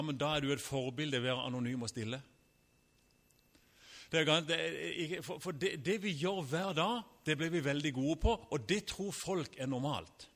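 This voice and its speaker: A man's voice: a little high, a bit bright. A man in his fifties preaching a sermon in a casual, personal way, with frequent fillers and restarts. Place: church hall. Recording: church hall reverb.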